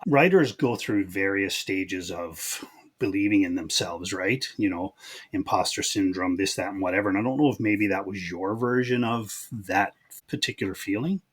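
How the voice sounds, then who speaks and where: A man's voice: low-pitched, moderate pace, breathy edge. A man from Newfoundland with a Canadian accent, hosting a podcast in a casual chatty style. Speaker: podcast host. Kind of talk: casual chat.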